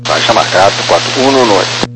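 A man with a Brazilian accent reading back clearances as a pilot over aviation radio. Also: low-pitched, animated, brisk. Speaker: airline pilot. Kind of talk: procedural radio readback. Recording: very noisy, hissing humming radio.

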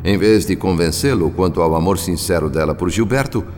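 Narrator brief: Brazilian man, low register, dramatic varied intonation, formal and solemn, hall reverb. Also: animated, fairly quick, a little mellow. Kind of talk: dramatic scripted radio narration. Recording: long hall reverb, music behind.

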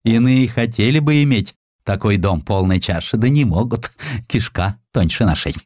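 A man's voice: lowish voice, animated, normal speed, darkish tone, dry recording, clean studio sound, lightly acted. Audio drama role: male reader as a comforting provincial wife, folksy, unruffled, homespun delivery. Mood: soothing. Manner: folksy, proverb-laden, placid. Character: soothing, homely merchant's wife, folksy and proud.

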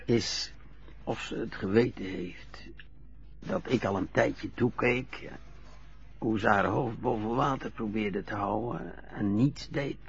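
An actor playing an old widower who haltingly confesses a guilt that haunts him, in a radio drama. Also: male voice, lowish voice, creaky, husky, muffled recording, exaggerated voice. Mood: troubled. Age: older. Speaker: old man being helped to dress.

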